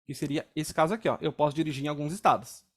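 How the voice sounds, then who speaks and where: High-voiced Brazilian man teaching code. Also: rapid-fire, husky. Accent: Brazilian Portuguese. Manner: casual, explains step by step, frequent "tá?" and "ó". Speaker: programming instructor. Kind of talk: live coding class.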